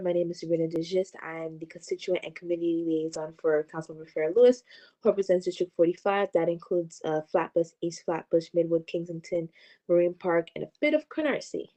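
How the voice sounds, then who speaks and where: Woman speaking on a group video call; low, mellow, halting delivery with frequent fillers. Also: low-quality recording. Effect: heard over a group video call. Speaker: council office liaison. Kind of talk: giving updates in an online community board meeting.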